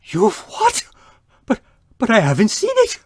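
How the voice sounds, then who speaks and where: Woman acting a flustered, highly animated jewellery shop owner. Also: a little slow, husky, no room sound, clean studio sound, exaggerated voice. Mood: astonished. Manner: agitated, exclaiming, emphatic. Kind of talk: old-time radio mystery acting.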